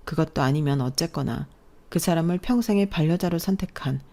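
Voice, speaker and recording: A woman telling her own story in calm, measured first-person narration. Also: deep voice.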